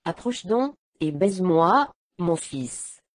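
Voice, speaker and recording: A woman reading the lines of an elderly blind patriarch in a solemn, measured way. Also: lowish voice, very animated, no room sound, clean studio sound, exaggerated voice. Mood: grave.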